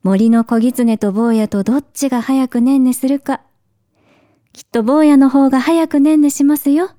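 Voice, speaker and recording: A woman voicing a gentle young human mother soothing her little boy in a storybook reading, soft and tender. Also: high-pitched, steady tone, normal speed, no room sound, studio quality, lightly acted.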